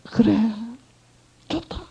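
A man's voice: very slow, warm tone. A man voicing a grieving God who resignedly lets sinners have their way, in a sorrowful, sighing manner, on a muffled recording.

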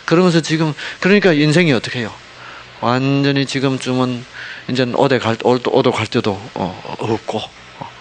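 A man preaching a sermon, asking the congregation constant rhetorical questions and dropping from loud emphasis to hushed asides. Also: mid-range voice, normal speed, slight background noise. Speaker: pastor.

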